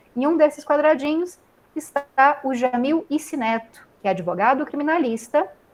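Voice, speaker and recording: With music in the background, a woman at a high pitch speaks at a moderate pace with lively intonation. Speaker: TV talk show host. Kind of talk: remote TV interview. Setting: remote video call.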